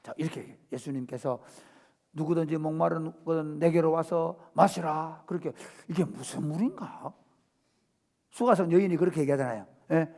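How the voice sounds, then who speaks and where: A male pastor preaching an animated sermon, acting out voices and swinging from hushed tones to shouts. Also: on the high side, moderate pace, creaky. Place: church sanctuary. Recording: church hall reverb.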